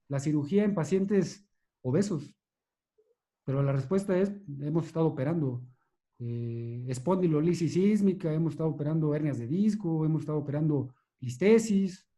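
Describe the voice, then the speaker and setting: Speaking with a fairly high pitch and a dark tone, a male neurosurgeon lectures in a measured, explanatory way and fields questions, with occasional hesitations and restarts.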